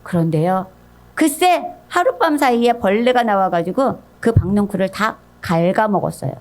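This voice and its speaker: A woman giving an animated sermon, telling the story with a voice that swings between soft and loud. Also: mid-range voice, moderate pace. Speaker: pastor's wife preaching.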